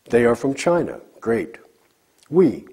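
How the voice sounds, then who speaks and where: A man teaching a recorded English lesson, slowly drilling example sentences for learners to repeat. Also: mid-range voice, huge pitch swings, darkish tone, slightly rough.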